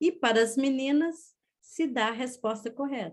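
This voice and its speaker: Using a plain, everyday voice, a woman talks at a fairly slow pace with lively intonation. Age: 60s. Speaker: professor and giftedness researcher. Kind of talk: online lecture. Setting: online talk.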